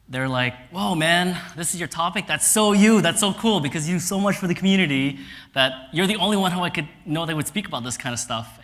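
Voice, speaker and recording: A man in his thirties from Canada gives a conference talk, telling stories with energy and acting out quotes on stage. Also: medium pitch. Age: 30s. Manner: energetic, animated storytelling with voiced quotes. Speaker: speaker. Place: stage in a lecture hall. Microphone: clip-on mic.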